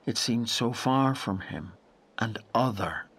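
An actor playing a grave, intense narrator in a literary audio drama, measured and full of dramatic pauses. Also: male voice, mid-range voice, fairly bright tone, husky, full character voice. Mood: hushed wonder. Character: grave narrator haunted by a wild lake memory.

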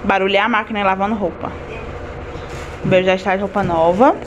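A woman's voice: medium pitch, steady tone, fast talker, dull audio. Chatty woman, noisy home. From Fortaleza, Brazil. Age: 20s. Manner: chatty, listing items as she unpacks. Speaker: family vlogger. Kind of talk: casual home vlog. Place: home kitchen, indoors. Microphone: handheld phone camera. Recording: noisy home with washing machine.

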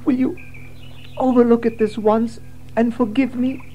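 A woman's voice: on the high side, fairly even intonation, takes it slowly, warm tone, slight background noise. A woman playing a timid, polite and naive young mole in a children's audio drama, hesitant and easily awed. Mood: sheepish. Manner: hesitant, breathy exclamations of wonder.

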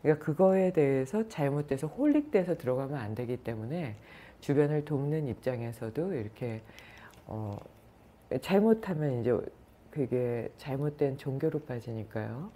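A woman meditation yoga teacher telling stories in a soft-spoken, unhurried way. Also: very deep voice, expressive. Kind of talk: storytelling talk.

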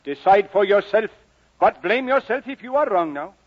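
Exasperated working-class dad, gruff and stern, high for a man, dull old radio sound. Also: animated, normal speed. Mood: resigned, gruff. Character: stern, exasperated Welsh working father of boys. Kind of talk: 1940s radio acting. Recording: muffled old radio broadcast.

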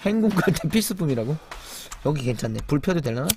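Jumpy, high-voiced male game streamer. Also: sing-song, quick pace, noisy background. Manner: jumpy, exclaims loudly when startled, then mutters low; chats with viewers and reads the chat. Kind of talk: live game commentary.

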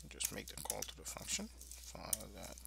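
A man presenting an informal screencast tutorial, explaining in a halting, improvised way. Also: low voice, huge pitch swings, gravelly, very noisy.

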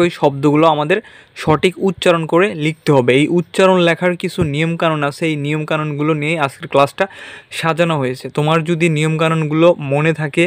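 A man's voice: fairly high pitch, no echo. A young man teaching an exam-prep language lesson in a casual way, often saying "okay" and mixing in English words. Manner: casual, repeats "ঠিক আছে", mixes in English words. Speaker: online tutor.

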